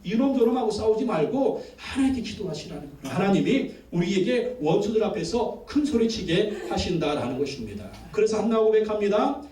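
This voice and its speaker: A man's voice: high-pitched, animated, fairly quick, few pauses, dark tone, slight background noise. A male pastor delivering an emphatic sermon, building call-and-response lists and repeated phrases. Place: church sanctuary. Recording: echoey church from a distance.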